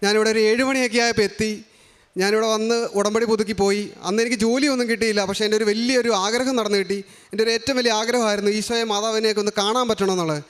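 A young man from Kerala giving an earnest, rushed personal religious testimony, often restarting his sentences. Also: sits high, fairly even intonation, a bit bright, smooth. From Kerala, India. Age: young adult. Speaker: testimony giver.

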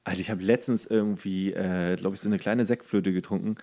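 A man's voice: sits low, steady tone, a little fast, mellow. A man hosting a podcast, telling anecdotes in casual, colloquial, comedic chat. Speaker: podcast host.

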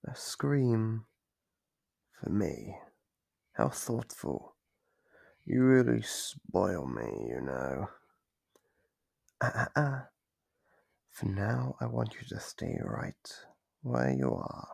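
Male performer as playful predatory monster, deep, husky rasp, drawn-out taunts, whispery ASMR roleplay. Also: very animated, a little mellow, dry recording, clean studio sound, full character voice. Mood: taunting, playful. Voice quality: gravelly, raspy, breathy. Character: sadistic, playful monster from under the bed, hungry for fear.

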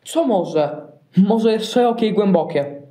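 A man acts out a cocky, mocking Wise Man for a nativity audio play. The voice is high for a man and softly dark, with flippant, sarcastic phrasing. There is a roomy echo around it. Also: expressive, measured pace. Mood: teasing. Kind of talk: amateur nativity radio play, colloquial.

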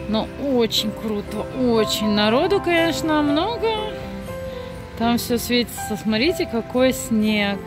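Female family vlogger, young, slightly high voice, casual and exclamatory, handheld phone sound with music clearly behind. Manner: chatty, expressive, exclamatory. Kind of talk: casual vlog chat to viewers.

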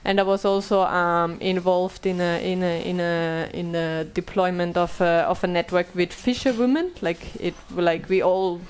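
A woman's voice: on the low side, fairly even intonation, normal speed, few pauses, clear, resonant tone. A woman in her thirties from Austria, speaking English, moderating a panel in a small room with many fillers and restarts. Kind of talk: conference panel talk. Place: small bright meeting room. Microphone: headset mic.

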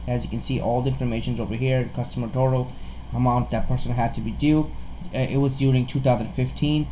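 Halting man with a mellow voice. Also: medium pitch, little pitch movement, slight background noise, poor audio. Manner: halting, repeats words and restarts often. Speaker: insurance broker presenting a tutorial. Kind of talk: informal screen-share explainer.

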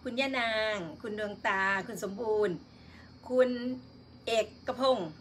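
A woman's voice: medium pitch, a little slow, slight background noise. A woman hosting a live stream in casual chat, politely reading out and greeting her viewers one by one.

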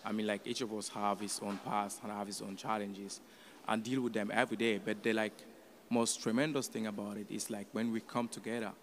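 A young man from Cameroon, a guest in a casual radio interview in an open event booth, talking haltingly with many fillers. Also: fairly low pitch, little pitch movement, a bit bright, slight background noise. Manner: hesitant, many fillers and restarts. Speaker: youth advisory committee guest. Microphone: table mic on a stand with headphones.

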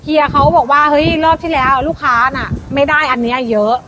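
High-pitched woman hyping a live sale. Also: fast talker, sharp tone. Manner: insistent, repeats phrases emphatically. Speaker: live-stream clothing seller. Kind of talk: fast hype live-sale pitch, casual. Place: shop front, camera moved toward outside.

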